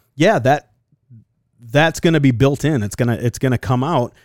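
At a moderate pace, a man speaks in a medium pitch with ordinary pitch variation, the sound dry and close with no echo. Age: 30s. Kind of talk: casual chat. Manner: halting.

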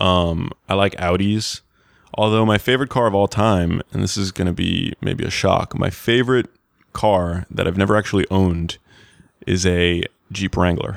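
Recorded very cleanly with a silent background and a dry, close sound with no echo, a man with an American accent speaks at a moderate pace in a very deep, low voice with fairly even intonation. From New York. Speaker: documentary filmmaker and TV host. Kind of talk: casual interview chat. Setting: studio.

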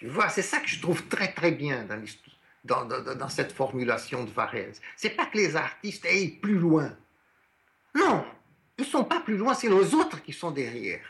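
A man speaks at a fairly slow pace in a high voice, his pitch swinging very widely, with long, frequent pauses. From Portugal. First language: Portuguese (speaking French). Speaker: author. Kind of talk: radio interview.

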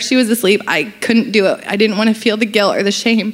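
A woman talks at a fairly quick pace in a fairly high pitch, with noticeable background noise behind her. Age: 30s. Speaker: church member sharing testimony. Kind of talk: testimony.

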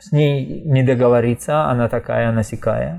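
Dark and mellow in tone, a man's voice comes through somewhat breathy. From Tajikistan. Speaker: emotional intelligence speaker. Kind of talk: podcast conversation.

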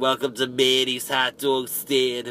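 A man uses a nasal, put-on character voice at medium pitch. He speaks at a fairly slow pace with monotone, flat intonation over light background noise. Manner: comedic.

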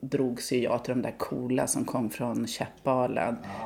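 The voice belongs to a woman. It is very deep and low. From Sweden, Lidingö near Stockholm. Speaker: school principal. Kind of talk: casual interview. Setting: at her home.

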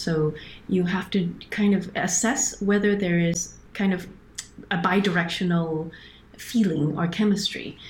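Somewhat breathy, this voice shows ordinary variation in pitch. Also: woman. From Hong Kong, raised in US and Canada. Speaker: operations director. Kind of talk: interview.

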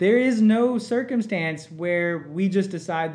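A man's fairly slow speech with ordinary pitch variation. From US South, Mississippi. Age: 20s. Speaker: podcast co-host. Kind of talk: casual political discussion.

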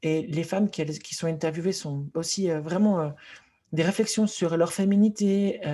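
Against a quiet background, a somewhat breathy voice with a dark, mellow tone speaks at a very slow pace. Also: woman. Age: 30s. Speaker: podcast host. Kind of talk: casual interview.

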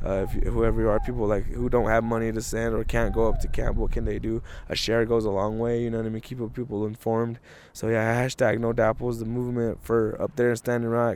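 A man talks at a very fast pace in a medium pitch. His intonation stays monotone and flat. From New Mexico Pueblos. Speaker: protester. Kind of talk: street interview. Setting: outdoors.

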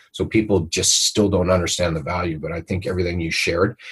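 A man with an American accent speaks at a very deep, low pitch in a somewhat breathy voice. His pace is fairly quick and his intonation fairly even, over a quiet background. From California. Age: 50s. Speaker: podcast host, physical therapist. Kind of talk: interview.

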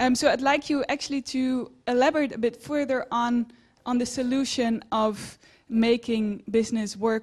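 With a Dutch accent, a woman talks at a fairly slow pace in a high pitch and fairly even intonation, recorded very cleanly against a silent background. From Netherlands. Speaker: audience member. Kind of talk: audience question.

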